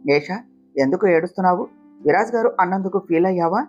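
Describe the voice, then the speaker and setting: A woman voicing a self-sacrificing young wife, speaking softly and pleadingly, in a read-aloud family story. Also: fairly low pitch, fast talker, lo-fi sound, faint music behind, natural voice. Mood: soothing.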